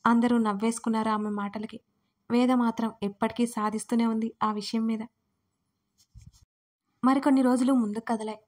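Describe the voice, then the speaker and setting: A woman narrates a serialized audio story and voices every part. Her voice sits a little high and stays fairly flat, in a steady, even read. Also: moderate pace, pauses often.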